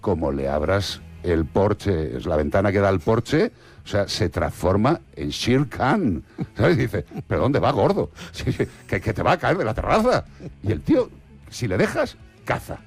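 A man from Spain chatting casually on a radio show, colloquial and lively. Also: fairly low pitch, measured pace, slightly rough, soft background music. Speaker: radio guest. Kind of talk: casual chat.

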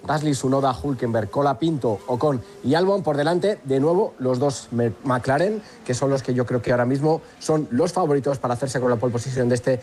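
A man's voice: medium pitch, brisk, hardly any pauses, a little mellow, a little hiss or hum. A man giving a live motorsport update on sports radio. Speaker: motorsport reporter.

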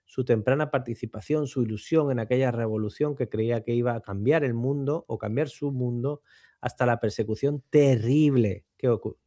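A man talking through a book and its author in a relaxed radio chat, with thoughtful pauses and tag questions. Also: mid-range voice, dry recording, studio quality. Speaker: book commentator on a radio show. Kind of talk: conversational book commentary.

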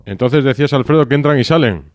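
A man hosting a radio sports show, passing to reporters and reading headlines in a brisk, conversational way. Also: mid-range voice. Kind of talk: studio radio sports news.

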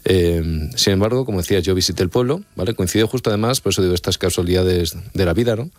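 A man from Extremadura with a very low voice, talking quickly as an interviewed author. He lays out his points earnestly and keeps checking in with the listener. The sound is dry and close. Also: darkish tone, dry recording. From Extremadura, Spain. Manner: explanatory, earnest, often checks in with "¿vale?". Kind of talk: radio-style interview answers.

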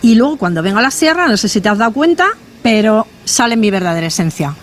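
A woman's voice: medium pitch, fast talker, a little hiss or hum. Older Madrid woman, a witty radio guest telling stories outdoors. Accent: Madrid Spanish. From Madrid, Spain. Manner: lively, humorous, storytelling. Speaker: guest, biologist and teacher. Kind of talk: casual interview chat. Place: village square outdoors.

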